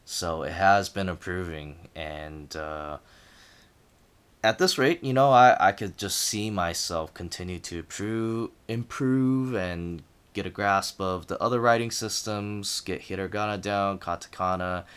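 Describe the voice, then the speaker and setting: Very deep-voiced man, clear and smooth. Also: measured pace, fairly bright tone. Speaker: language learner sharing progress. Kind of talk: casual reflective talk to camera.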